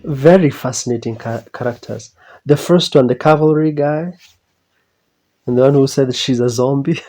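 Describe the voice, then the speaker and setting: A host gives casual reaction commentary at a medium pitch. The delivery is hesitant and halting, circling back to repeat phrases. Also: mellow.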